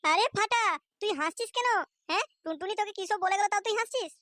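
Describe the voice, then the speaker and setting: An actor voices a wary but easily tempted young boy, the sidekick in a comedy cartoon. His comic dialogue is very high-pitched, quick and sharp, with an eager, teasing mood.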